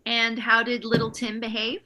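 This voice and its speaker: A woman's voice: a little high, completely flat delivery, moderate pace, pushed and bright, a little hiss or hum, poor audio. An actress playing an outspoken, loving Victorian mother in a radio play, bustling and emphatic. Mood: bustling, fond.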